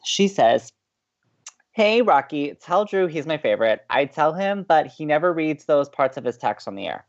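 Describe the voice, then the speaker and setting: An upbeat college radio advice host, with a slightly low voice that swings widely in pitch. She is a playful, teasing romantic who banters casually in a comedy podcast drama. The sound is a little dull. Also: moderate pace. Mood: playful, gossipy. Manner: playful, emphatic, animated.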